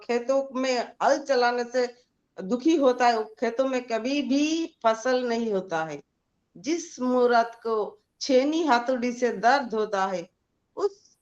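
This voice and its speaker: A woman telling a moral story to a team meeting in a slow, plain way with restarts. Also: on the high side, lo-fi sound.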